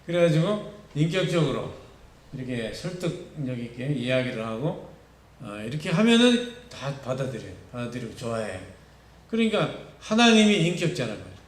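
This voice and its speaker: A man's voice: medium pitch, very animated, normal speed. A male pastor with a Gyeongsang accent giving a youth sermon, speaking conversationally and often putting questions to the listeners. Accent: Gyeongsang Korean. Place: church sanctuary. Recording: echoey church hall, distant mic.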